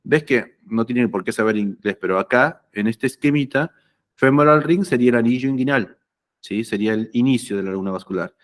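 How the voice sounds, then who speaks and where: A man's voice: medium pitch, a little fast. A man giving an anatomy lecture, conversational and often checking that students follow. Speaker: anatomy teacher. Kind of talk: lecture explaining slides.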